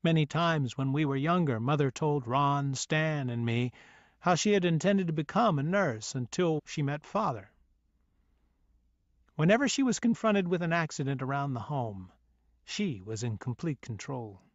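A man narrating a memoir audiobook in a measured, sombre first-person reading. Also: a little high, expressive, dry recording, dull audio.

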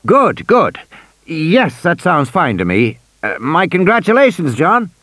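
A man's voice: a little high, huge pitch swings, unhurried, bright, forceful tone, no room sound, studio quality, pitched above the performer's own voice, heavily acted. A man voicing a tense male corporate lawyer speaking guardedly on the phone.

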